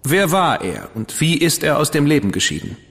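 Ironic dandy gentleman, lively voice, roomy reverb. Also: a little high, moderate pace. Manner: ironic, playful. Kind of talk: German audio drama acting.

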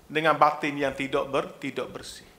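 A man with a Kelantanese accent giving a religious lecture, animated and mixing humour with exhortation. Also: on the high side, moderate pace. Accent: Kelantanese Malay. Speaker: religious preacher.

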